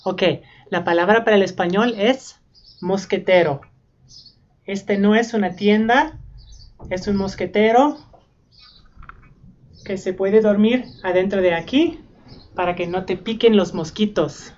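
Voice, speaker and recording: An American woman, a young adult whose first language is English, talks casually through a home vlog and names household words one by one in a plain, unhurried way. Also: medium pitch, a little mellow, lo-fi sound. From United States. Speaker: language learning vlogger. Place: her room and house.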